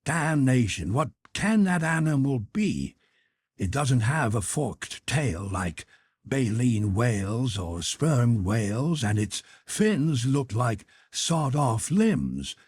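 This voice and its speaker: A blunt, excitable Canadian whaler from an adventure audiobook, as played by a male narrator. His voice is very husky and jumps around in pitch, exclamatory and eager for the hunt. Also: slow pace, dry recording, heavily acted. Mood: astonished exclaiming.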